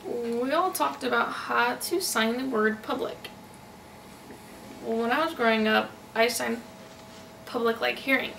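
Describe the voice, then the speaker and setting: Female interpreter voicing a signed account, halting delivery, creaky voice, picked up from a distance with faint noise. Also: a little high, fairly bright tone. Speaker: sign-to-voice interpreter. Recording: noisy, distant microphone.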